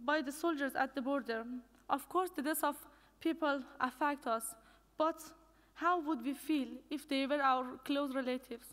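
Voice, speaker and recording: A woman's voice: high-pitched, a bit bright. A young woman from Iran, an English speaker, gives an earnest prepared conference speech with a few restarts. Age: young adult. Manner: measured, earnest, reads from notes with restarts. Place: conference hall. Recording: long reverb of a lecture hall.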